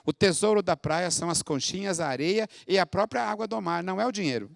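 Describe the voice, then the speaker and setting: Brief: man voicing a little boy, four and sure of himself, matter-of-fact; dry and close, slightly high. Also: fast, vocal fry, dry recording. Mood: self-assured. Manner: matter-of-fact, self-assured.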